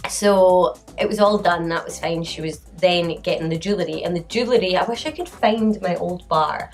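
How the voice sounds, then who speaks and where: A woman in her late twenties tells a storytime vlog in a loose, chatty manner and laughs often between sentences. Her voice sits a little low for a woman. Soft music plays faintly behind her. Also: normal speed. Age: late 20s. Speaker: vlogger.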